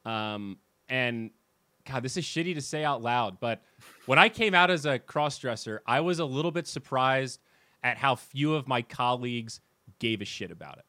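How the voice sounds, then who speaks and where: A man hosting a podcast in casual chat, telling animated stories with swearing and restarts. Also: medium pitch, moderate pace, no room sound. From United States. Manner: animated storyteller who swears and restarts sentences. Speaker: podcast host and esports commentator.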